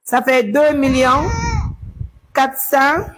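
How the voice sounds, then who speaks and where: A woman who coos softly to calm a crying baby and announces incoming donations in an animated way. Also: high-pitched, extremely slow, rough recording. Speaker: journalist running a donation appeal. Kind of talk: live fundraising appeal while soothing a baby.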